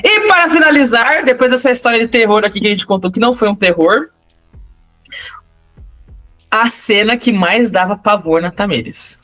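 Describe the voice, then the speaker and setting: A young woman with a Brazilian Portuguese accent, co-hosting a podcast and telling a story in a casual, animated way with frequent laughter. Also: on the high side, moderate pace, pauses often, faint music behind. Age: young adult. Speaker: podcast co-host.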